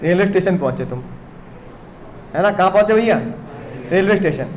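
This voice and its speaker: High-pitched male teacher who makes a lively, story-driven classroom lecture. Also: brisk, slight background noise. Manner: animated storytelling, teasing the students. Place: classroom with students.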